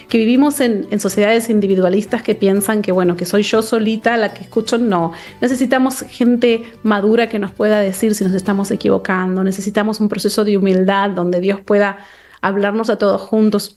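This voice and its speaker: A woman's voice: mid-range voice, darkish tone. A woman from Argentina with an Argentine accent, an author guest speaking earnestly and reflectively in a radio interview over a remote line. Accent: Argentine Spanish. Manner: reflective, earnest, repeats words while thinking. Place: home or office in England.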